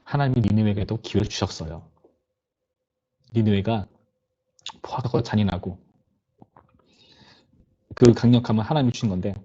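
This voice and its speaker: A man's voice: lowish voice, mellow, husky, lo-fi sound. A young man, a youth pastor, giving a conversational sermon to teenagers and voicing their complaints and questions. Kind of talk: sermon to teenagers over video call.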